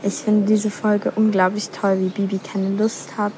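A woman's voice: mid-range voice, little pitch movement, measured pace, a little mellow, a little hiss or hum. A sixteen-year-old girl, leaving an informal voice message as a quiz listener. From Switzerland. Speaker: listener sending a quiz question.

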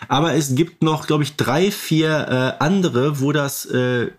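A man's voice: fairly high pitch, measured pace. A man co-hosting a casual podcast, telling things in a hesitant, playfully opinionated way. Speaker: podcast co-host.

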